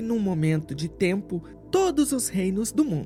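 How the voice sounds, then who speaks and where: Her pitch swings very widely as she talks at a very slow pace. Music plays in the background behind this woman. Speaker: voice actor. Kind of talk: poetry reading.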